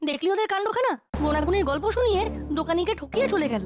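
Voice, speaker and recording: Squeaky, fast cartoon boy sidekick. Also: expressive. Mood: skeptical. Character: skeptical, chattery young boy sidekick. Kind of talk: cartoon voice acting. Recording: music behind the voice.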